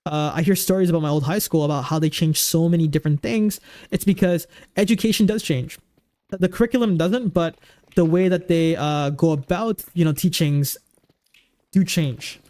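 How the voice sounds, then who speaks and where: A young man in his twenties talks to his stream in an easygoing, rambling way, tripping over restarts and fillers. His voice sits a little high, with a warm, mellow tone and a goofy edge. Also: normal speed. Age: 20s. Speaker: livestreamer. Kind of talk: casual livestream chat.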